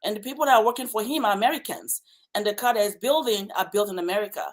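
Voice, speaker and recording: A woman speaking in a measured, reasoning way as a panelist in a casual discussion. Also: medium pitch.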